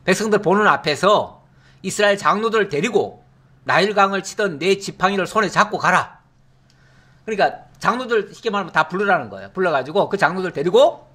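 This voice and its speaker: A middle-aged pastor teaches a Bible lesson to his congregation, his fairly high voice swinging up and down with energy. He keeps the sermon conversational, posing rhetorical questions and answering them himself with a quick "yes".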